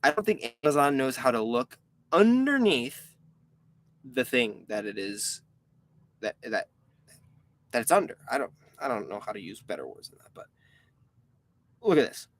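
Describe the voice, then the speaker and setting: In his twenties, an online reseller hosts a casual live stream, reading chat questions aloud in a medium-pitched, sing-song voice at a moderate pace with long pauses. He rambles chattily and mutters frustrated asides about a website that keeps failing.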